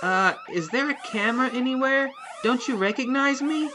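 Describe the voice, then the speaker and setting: A woman's voice: sits high, moderate pace, slight background noise, lightly acted. A woman playing an earnest, unsure young hero on a quest, with a questioning way of talking, in audio fiction. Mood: unsure, hopeful. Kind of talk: scripted audio fiction acting.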